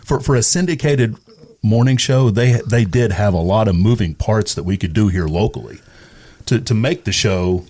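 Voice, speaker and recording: A man from East Texas with an American accent, reminiscing casually as an interview guest in a measured, hesitant way. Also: lowish voice, dark tone. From East Texas, United States. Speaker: radio personality, interview guest.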